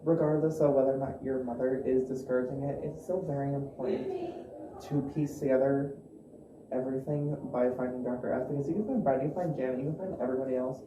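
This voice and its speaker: A woman playing an excitable, eager internet sleuth with an emphatic manner in found-footage style. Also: very deep voice, fast talker, far from the mic, dull audio. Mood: earnest. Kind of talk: improvised found-footage acting. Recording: echoey, noisy room, off the microphone.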